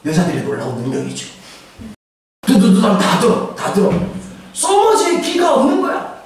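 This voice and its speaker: A pastor in his forties giving a humorous, animated sermon, now and then acting out voices and shouting for effect. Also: very high-pitched, moderate pace. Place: church sanctuary. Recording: echoey church hall, distant mic, faint ambience.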